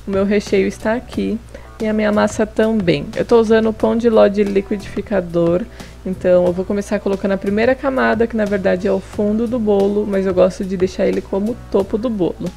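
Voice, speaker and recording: A woman's voice: mid-range voice, fairly even intonation, fairly quick, gravelly, mellow, faint music behind. A young woman hosting a home cooking video, chatting through each step and adding friendly tips in a voice-over. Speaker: cooking channel host. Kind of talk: casual recipe demonstration. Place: home kitchen table.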